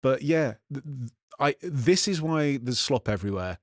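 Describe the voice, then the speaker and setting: A man's voice: medium pitch, lively intonation, moderate pace, no echo, studio quality. A man with a Black Country accent and a slightly nasal voice, chatting casually and sardonically as a vlog host. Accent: Black Country English. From England, West Midlands. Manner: sardonic, irritated grumbling. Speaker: vlog host, software developer.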